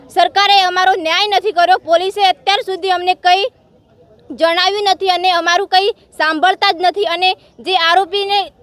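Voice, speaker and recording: A woman's extremely high voice comes through monotone and flat, with very even loudness and a dry sound with no echo. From Gujarat, Banaskantha district; Gujarat. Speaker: daughter of murder victim. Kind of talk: news interview testimony. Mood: grieved, earnest demand for justice. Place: street. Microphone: handheld.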